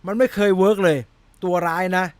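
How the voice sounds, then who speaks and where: Chatty Thai man with a high voice. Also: a little fast, dry recording. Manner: rambling, laughs at himself, fumbles over a name. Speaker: movie news host. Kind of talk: casual chat about film news.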